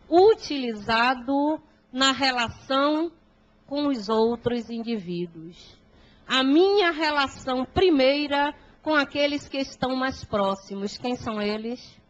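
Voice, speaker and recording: A Brazilian woman with a Brazilian Portuguese accent delivers a gospel lecture in a large auditorium, holding a handheld microphone. Her voice sits high, and she takes her time, leaning on words and turning to the audience with questions. The recording sounds muffled and lo-fi. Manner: slow, emphatic, with rhetorical questions to the audience. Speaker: spiritist lecturer. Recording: dull lo-fi hall recording.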